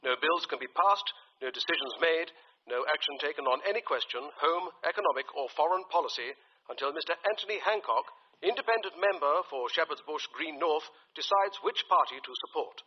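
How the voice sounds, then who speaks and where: A grave British radio newsreader. His voice is fairly high and husky, formal in delivery, on a slightly muffled recording. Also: animated, fairly quick. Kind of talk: scripted news bulletin.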